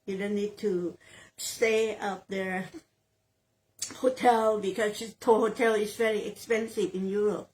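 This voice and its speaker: A Thai woman in her sixties with a Thai accent talks about her sales career in a slow, unhurried way. She speaks halting English, stops to find words and says phrases twice. Her pitch sits in a middle range for a woman. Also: steady tone, darkish tone, slight background noise, low-quality recording. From Thailand. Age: 60s. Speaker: real estate sales agent. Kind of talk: interview answers in English.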